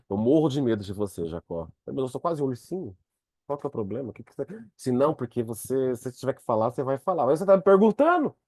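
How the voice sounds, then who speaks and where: A man teaching psychoanalysis in a lively online lecture, speaking straight to his students. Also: fairly high pitch, no room sound. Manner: animated, talks to students directly.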